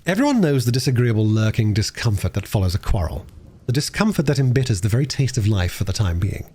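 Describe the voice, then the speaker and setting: A man's voice: lowish voice, sing-song, fast talker, mellow, husky. A man reading a classic novel aloud expressively, as an audiobook narrator. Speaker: audiobook reader and livestreamer.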